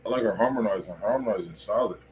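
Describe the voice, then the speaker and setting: A man co-hosting a music stream, chatting in relaxed street slang with short reactions. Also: fairly low pitch, quick pace, very noisy. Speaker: co-host on the stream. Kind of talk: casual chat.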